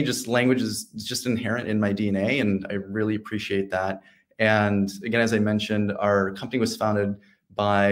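A man in his thirties, a guest on a video call, telling his career story in a relaxed way with many ums and restarts. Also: fairly low pitch. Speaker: guest speaker, creative leader. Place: home office with bookshelves, virtual background.

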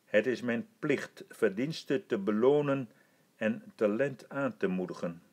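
A gracious old emperor, put on by a male reader of an old storybook, speaking with slow, deliberate dignity. His words come out formal and measured, full of calm command. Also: medium pitch, close to an everyday voice. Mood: stately. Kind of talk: audiobook reading.

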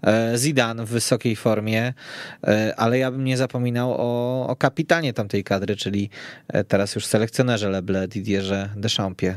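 A man hosting a sports radio discussion, speaking in deliberate, measured phrases. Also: lowish voice, fairly even intonation, no room sound. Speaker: podcast host.

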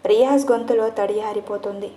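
A woman narrating a romance story in a lively, expressive reading. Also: mid-range voice, normal speed. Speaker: audiobook narrator. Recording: echoey room.

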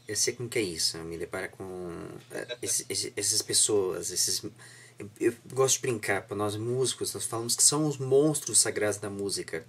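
A man's voice: lowish voice, moderate pace, husky. A man in his twenties with a Brazilian accent, chatting casually as an interviewer. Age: 20s. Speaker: interviewer, host. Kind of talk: casual chat. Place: indoors, room at home.

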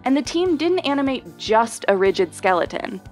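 A woman giving scripted narration for an explainer video, clear and measured. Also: fairly high pitch, sing-song, soft background music.

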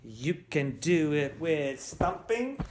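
Gentle man teaching music to little kids. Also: fairly high pitch, very animated, noisy background. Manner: gentle, encouraging, talks slowly to young children. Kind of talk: children's music lesson. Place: at home on a bed.

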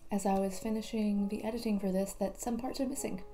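Vlog host, woman, mid-pitch, groggy morning voice, chatty, music under. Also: fairly even intonation, fairly quick. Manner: chatty, grateful, a little rambling. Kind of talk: casual talk to camera. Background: soft background music.

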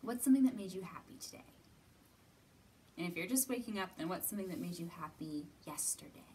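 A woman in her thirties gently guiding young children through a lesson, asking simple encouraging questions and pausing often. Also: on the low side, expressive. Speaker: children's storytime host. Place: indoor library room with bookshelves. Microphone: camera a few feet away. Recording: distant mic, roomy ambient noise.

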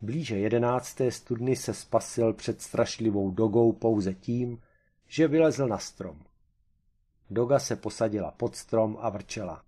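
A man's voice: fairly low pitch, mellow. Man reading a comic story aloud. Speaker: narrator. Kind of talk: audiobook reading of a humorous story.

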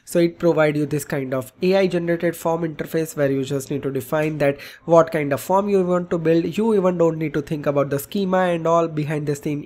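Indian-accented man explaining software. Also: fairly high pitch. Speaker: tech tutorial host. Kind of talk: explanatory software walkthrough narration.

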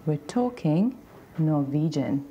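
A woman in her forties, an antiques expert presenting to camera with animated, theatrical storytelling inside a large shop. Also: low-pitched, slow pace, slightly rough, lo-fi sound.

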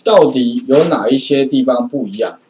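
A man's voice: medium pitch, lively intonation, normal speed, a little mellow, slight background noise. A male programming teacher with a Taiwanese Mandarin accent, giving a recorded classroom lecture in a chatty way with many filler particles. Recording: roomy, distant, dull lo-fi classroom audio.

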